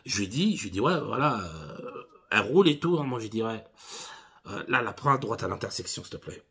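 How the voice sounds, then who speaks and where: Man, thirties, driving instructor, casual storytelling, bright tone, slightly husky. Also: fairly low pitch, fairly quick. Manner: animated anecdotes addressed to viewers as 'les gars'.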